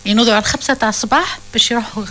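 Very fast-talking Algerian woman. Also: a little high, fairly bright tone. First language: Arabic. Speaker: radio discussion participant. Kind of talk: explanatory conversation mixing languages.

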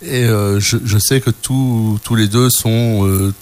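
A man's voice: fairly low pitch, steady tone, slow, a little mellow. Hesitant French-speaking radio co-host man. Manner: hesitant, many fillers and restarts. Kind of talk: casual radio chat.

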